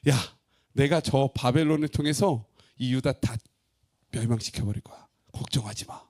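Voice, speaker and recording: A man voicing God in a sermon, speaking in a low, hushed, matter-of-fact way. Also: normal speed, dry recording, studio quality, lightly acted. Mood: blunt. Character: God, speaking calmly and bluntly.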